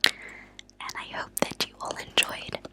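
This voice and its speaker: Woman whispering an asmr story reading, breathy, no voiced tone, deliberate phrasing. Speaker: ASMR channel host. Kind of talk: whispered ASMR reading of a true-crime book. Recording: lo-fi whispered home recording.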